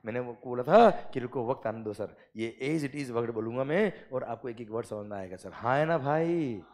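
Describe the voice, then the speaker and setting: A man with an Indian accent lecturing students in a classroom, mixing Hindi and English. He reads legal text slowly word by word and keeps asking the class whether it is clear. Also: medium pitch, lively intonation, darkish tone. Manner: calls students "beta" and "sir". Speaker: GST teacher.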